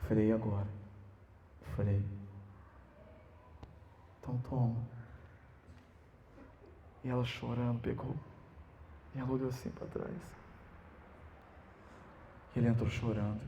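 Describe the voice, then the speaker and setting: A man, a pastor preaching a sermon, telling a personal story in an animated way. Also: mid-range voice, moderate pace, pauses often, slight background noise.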